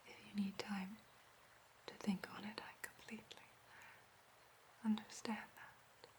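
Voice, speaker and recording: Woman playing an ancient whispering elf, slow whispered role-play. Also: medium pitch, flat delivery, natural voice. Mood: gentle, formal. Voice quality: soft, breathy whisper. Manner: elf-like, measured, solemn, formal and soothing. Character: ancient, gentle, formal elf therapist and magic practitioner.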